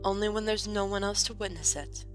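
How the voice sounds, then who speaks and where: A woman playing a composed, gently teasing young noblewoman in a fan audio drama, with formal and dryly playful wording. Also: medium pitch, a little fast, lightly acted. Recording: music playing behind. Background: music.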